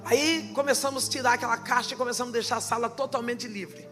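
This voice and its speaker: A woman pastor preaching a sermon with passion, often swelling into shouts. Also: a little high, steady tone, quick pace, faint music behind.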